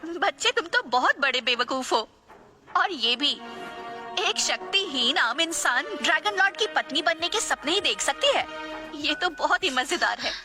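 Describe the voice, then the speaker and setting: A woman's voice: high-pitched, animated, normal speed, over music. A woman voicing a haughty, scheming goddess who speaks in an arrogant, sneering way.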